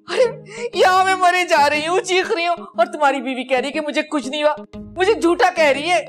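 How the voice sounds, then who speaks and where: A high-pitched, theatrical old mother, a bossy hypochondriac who wails and groans over every ache. She speaks with a Pakistani Urdu accent, and soft music plays faintly behind her. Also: fairly quick. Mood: wailing. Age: older. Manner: wailing, theatrical complaining. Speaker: ailing mother-in-law. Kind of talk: sitcom acting.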